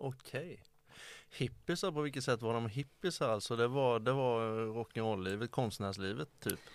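A man's normal speaking voice, medium in pitch, with ordinary pitch variation, a moderate pace, and a very clean recording over a silent background. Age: 50s. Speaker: podcast host. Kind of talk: interview.

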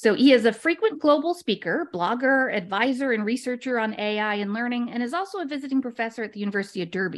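A woman's high-pitched, enthusiastic voice at a very fast pace, with lively intonation and hardly any pauses. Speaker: podcast host. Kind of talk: interview conversation.

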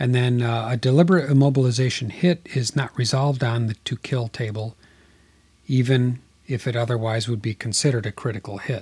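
On a very clean recording with a silent background, a man talks at a medium pitch and a fairly quick pace, somewhat breathy, with fairly even intonation. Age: 50s. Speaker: board wargame podcast host. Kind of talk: casual chat.

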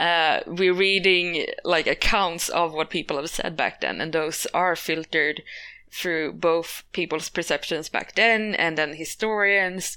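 On a very clean recording with a silent background, a woman with a Swedish accent speaks at a fairly slow pace. Her bright, sharp tone sits at a fairly low pitch with fairly even intonation. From Sweden. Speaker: blogger and fan commentator. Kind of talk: casual podcast discussion.

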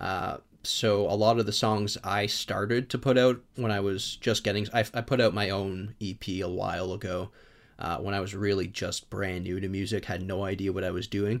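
On a very clean recording with a silent background, a man with a Canadian accent uses an ordinary speaking voice at a fairly low pitch, keeping a moderate pace and fairly even intonation. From Ontario, Canada. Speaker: country music singer. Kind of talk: casual interview chat.

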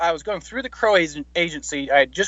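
With an American accent, a man speaks at a fairly quick pace in a high-pitched voice. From Mississippi, US South. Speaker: cowboy and former rodeo rider. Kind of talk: casual chat.

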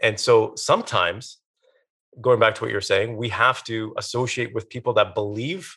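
Recorded very cleanly against a silent background, a man speaks with a Canadian accent. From Western Canada. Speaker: entrepreneur and men's coach. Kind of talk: interview.

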